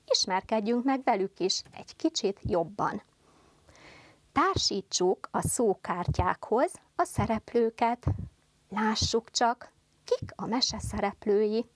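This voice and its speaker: A woman teacher giving a televised first-grade lesson, speaking slowly and carefully articulating to small children. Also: mid-range voice, dry recording. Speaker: primary school teacher.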